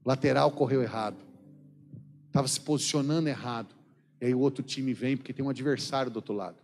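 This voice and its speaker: A man's voice: medium pitch, fast, darkish tone, soft background music. A man from São Paulo state with a Brazilian accent, preaching a sermon as a missionary, telling jokey stories and acting out the dialogue. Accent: Brazilian Portuguese, São Paulo. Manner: jokey storytelling, acts out quoted dialogue, laughs often. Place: large church hall. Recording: long church hall reverb.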